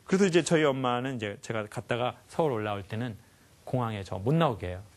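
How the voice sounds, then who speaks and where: A man giving a lively life lecture to a live audience, often asking them questions and acting out sounds. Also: mid-range voice, fast talker. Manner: animated, asks the audience questions, acts out sounds.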